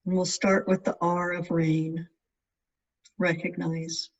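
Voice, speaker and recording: Meditation guide, medium pitch, gentle, measured phrasing, guided instruction, dull lo-fi recording. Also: level tone. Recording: distant mic, dull lo-fi sound.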